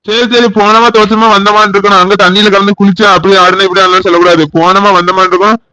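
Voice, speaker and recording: A man's voice: high-pitched, little pitch movement, fast talker, sharp tone, no echo, low-quality recording. A man voicing a stern village father with a Tirunelveli Tamil accent, giving orders. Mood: bossy. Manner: bossy, instructing.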